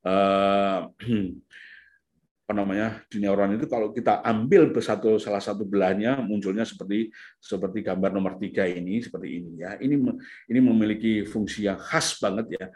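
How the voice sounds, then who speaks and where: A man lectures parents and teachers in an informal seminar. He rambles through fillers and restarts, then climbs to sharp emphatic peaks. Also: lowish voice, steady tone, normal speed.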